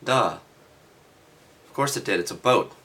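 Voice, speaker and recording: A man reading aloud and adding halting, offhand, skeptical commentary with sardonic asides. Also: on the low side, lively intonation, pushed and bright. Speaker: reader and commentator.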